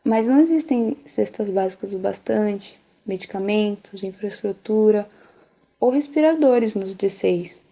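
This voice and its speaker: A woman's voice: medium pitch, animated, a little slow, vocal fry, dark tone. A Brazilian woman explaining things as an interviewee, in a dull, lo-fi recording.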